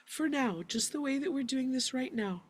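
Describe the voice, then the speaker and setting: A woman teaching singing in a live online lesson, guiding breathing and relaxation in a gentle, encouraging way. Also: sits high, animated, moderate pace.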